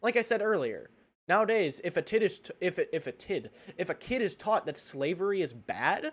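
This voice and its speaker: The voice is loud. The background is quiet. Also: man. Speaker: gaming streamer. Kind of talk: livestream rant. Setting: livestream. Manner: animated.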